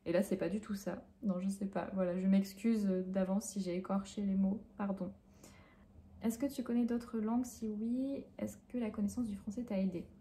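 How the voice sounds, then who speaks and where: A woman's voice: medium pitch, fairly even intonation, normal speed, dark tone. A young Frenchwoman who teaches French, answering interview questions in a hesitant way with many fillers and self-corrections. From France.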